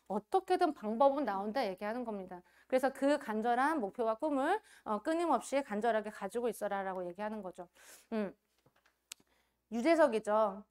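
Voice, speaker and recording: A woman giving a motivational business training talk, animated and acting out quoted voices. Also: sits high.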